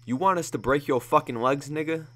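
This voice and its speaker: A man voicing a tough, threatening young male gang member who swears and shouts in a raised voice. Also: fairly low pitch, brisk, natural voice. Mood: menacing. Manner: loud, swearing, aggressive.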